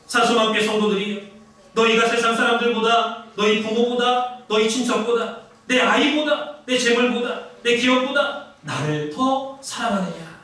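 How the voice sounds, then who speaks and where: A man's voice: very high voice, pushed and bright. A man with a Korean accent preaching a sermon as the pastor, telling the story emphatically and dramatically. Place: large church sanctuary. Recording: very echoey church hall, distant mic.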